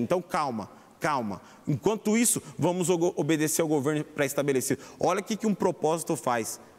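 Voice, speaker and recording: A man with a fairly high pitch talks fairly quickly. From Brazil. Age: 30s. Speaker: pastor; preacher. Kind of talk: sermon. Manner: animated. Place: church. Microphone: lapel.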